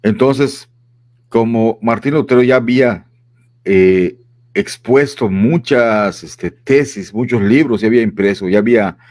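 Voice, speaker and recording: Low-voiced man with a dry sound. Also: a little mellow, no echo. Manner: reflective, with fillers and pauses. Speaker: panelist. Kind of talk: panel discussion.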